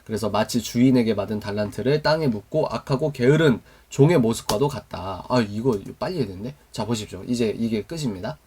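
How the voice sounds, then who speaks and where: A man's voice: medium pitch, brisk, hardly any pauses, darkish tone, husky. A man teaching a Christian youth mentoring lesson, quizzing his listeners with call-and-response questions. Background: live online stream to viewers.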